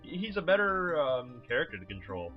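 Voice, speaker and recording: A very animated man with a mid-range voice, speaking at a moderate pace, provides rambling, casual let's play commentary laced with swearing. His dull lo-fi mic captures him over video game music.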